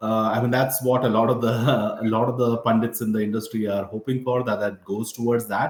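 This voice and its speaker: Noticeable background noise runs behind a man who speaks at a moderate pace. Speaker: tech company founder. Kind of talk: podcast interview. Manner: hesitant with many fillers.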